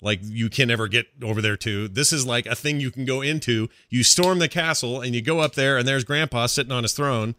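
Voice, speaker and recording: A middle-aged man co-hosting a podcast, chatting casually and enthusiastically about games with animated, slangy storytelling. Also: medium pitch, fairly quick, hardly any pauses. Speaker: podcast co-host. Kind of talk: casual enthusiastic gaming chat.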